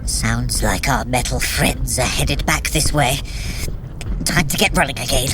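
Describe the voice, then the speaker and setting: A woman's voice: a bass voice, unhurried, noisy background. A woman playing a sardonic, self-pitying trickster god in an audio adventure, with theatrical, drawling asides to the listener. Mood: brisk, playful. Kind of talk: immersive audio adventure acting, addressing the listener.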